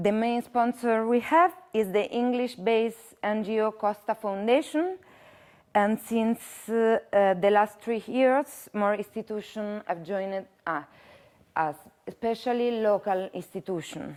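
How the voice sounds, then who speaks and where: A woman speaks with an Italian accent at a fairly high pitch. Her pitch variation is ordinary. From Italy. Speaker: architect. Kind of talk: lecture. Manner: halting.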